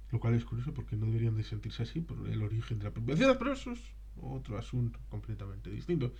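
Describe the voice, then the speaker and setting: A man talks through an unscripted film review as its presenter. His delivery is discursive and halting, as he searches for words mid-sentence. He checks in with short tags and rhetorical questions along the way. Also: mid-range voice, a little mellow, husky.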